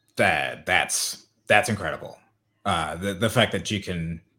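A man's voice with ordinary pitch variation, at a fairly slow pace. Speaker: tech podcast host. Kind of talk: interview. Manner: filler-heavy, hesitant.

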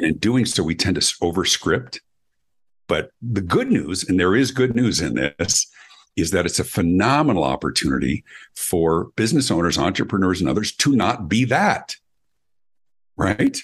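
A man talks at a moderate pace with a very deep, low pitch and vocal fry. His pitch swings very widely while his loudness stays very even. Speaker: customer experience expert and keynote speaker. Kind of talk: interview.

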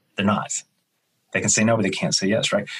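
His voice comes across somewhat breathy. The man's pitch is fairly low. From US (army family, moved often). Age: 40s. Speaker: futurist and speaker. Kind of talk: casual interview chat.

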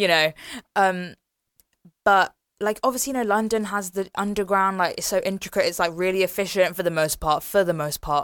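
A woman's medium-pitched voice at a fairly quick pace, ordinary pitch variation, on a very clean recording with a silent background. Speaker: student radio co-host. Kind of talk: casual chat.

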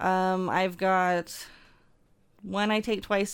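A woman speaks at a medium pitch in a flat monotone, recorded very cleanly against a silent background. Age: 30s. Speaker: patient with Huntington's disease. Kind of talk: interview.

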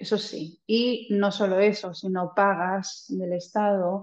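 Her intonation is flat and monotone. The speaker is a woman. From Spain, Castellón de la Plana (Valencian region). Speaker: entrepreneur in finance. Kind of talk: interview.

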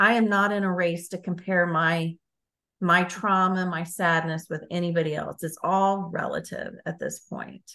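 Her tone is bright and sharp, and this woman speaks with monotone, flat intonation. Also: moderate pace. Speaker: caregiver and podcast co-host. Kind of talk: casual chat.

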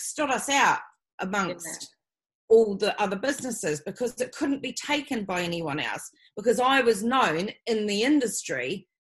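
A woman with a New Zealand accent, fairly high in pitch, very wide pitch swings, moderate pace. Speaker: business consultant. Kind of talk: podcast interview. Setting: video call. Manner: energetic; outspoken.

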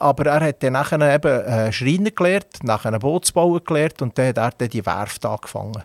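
In an ordinary speaking voice, a man talks at a moderate pace with a fairly high pitch and lively intonation, the sound dry and close with no echo. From Switzerland, Solothurn region. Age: 50s. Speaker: boat builder, shipyard owner. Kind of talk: radio interview.

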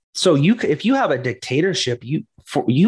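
Over a quiet background, a somewhat breathy man with an American accent talks at a fairly quick pace with lively intonation. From United States. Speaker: podcast co-host. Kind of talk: casual chat.

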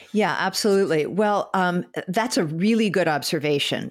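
A woman's unremarkable speaking voice at a medium pitch, with lively intonation and a moderate pace, on a very clean recording with a silent background. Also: hardly any pauses, very even loudness. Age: 60s. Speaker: author. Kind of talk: interview.

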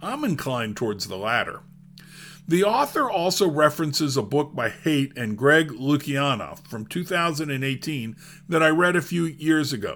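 With an unremarkable speaking voice, a man talks at a moderate pace and fairly high pitch, his intonation lively, in a very clean recording with a silent background. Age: 60s. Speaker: podcast host, news commentator. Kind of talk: solo news commentary.

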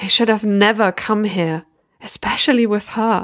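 On a very clean recording with a silent background, a woman speaks with fairly even intonation. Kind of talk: horror narration. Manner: dramatic, with pauses and an eerie, storytelling tone.

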